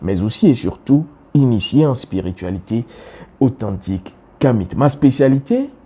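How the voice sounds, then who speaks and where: A man speaks at a fairly slow pace in a medium pitch with a dark, mellow tone. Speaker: spiritual teacher. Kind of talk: spiritual talk to camera.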